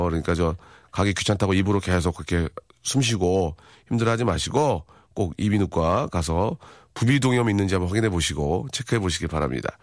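A man's voice: fairly low pitch, no echo. Guy radio host, 40s, jokey and playful, voice bouncing all over, dry close mic. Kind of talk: casual radio chat reading listener messages.

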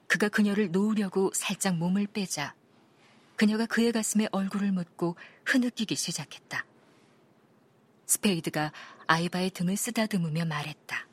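A woman narrating an audiobook in a calm, even storytelling manner. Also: medium pitch, husky.

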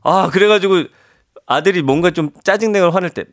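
A middle-aged man in casual radio chat, lively, often quoting his son. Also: sits high, brisk, no echo, studio quality.

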